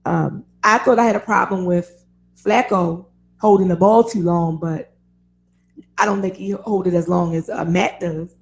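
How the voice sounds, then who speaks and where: A woman with a raspy voice hosting a casual sports talk radio show, chatty and opinionated, laughing often. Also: on the low side, fairly even intonation, unhurried.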